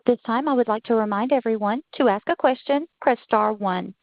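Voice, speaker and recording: A woman's voice: a little high, a little fast, no echo. A woman giving scripted announcements as a conference call operator. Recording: muffled conference call audio.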